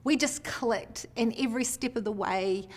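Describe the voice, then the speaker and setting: A woman's voice: a little high, normal speed, a little mellow. Earnest New woman director. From New Zealand. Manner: thoughtful, earnest, with fillers and laughs. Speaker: film director, guest. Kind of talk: interview. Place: indoor venue.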